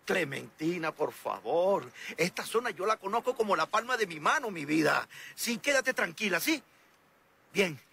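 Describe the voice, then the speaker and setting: Venezuelan husband, high lively voice, falsely confident, soothing. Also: male voice, moderate pace, gravelly, slightly rough, exaggerated voice. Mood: reassuring. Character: lost husband too proud to ask directions. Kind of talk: TV comedy-drama acting.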